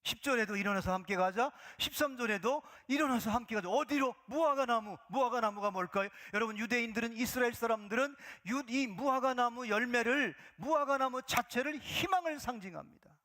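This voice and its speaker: A male pastor delivering a Sunday sermon with emphatic preaching, dropping to soft whispers when quoting. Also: extremely high pitch, a little fast, few pauses. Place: church sanctuary.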